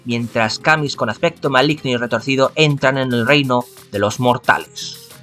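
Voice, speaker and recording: A man's voice: mid-range voice, normal speed, pushed and bright, faint music behind. Stumbling Spanish man reading a game aloud. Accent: Spain. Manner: stumbling, frequent self-corrections. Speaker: visual novel reader. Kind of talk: reading a game's text aloud with asides.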